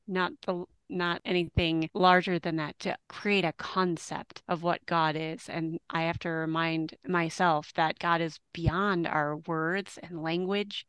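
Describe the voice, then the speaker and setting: A woman co-host with a very smooth, clear voice that sits slightly low. She talks reflectively and conversationally, in a dry, close recording. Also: fairly bright tone, no room sound. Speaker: interviewer, co-host.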